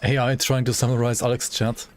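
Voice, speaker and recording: A man streaming a game, chatting loosely in a relaxed, rambling way with lots of filler words. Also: medium pitch, fairly quick, soft background music. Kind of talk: casual gameplay commentary.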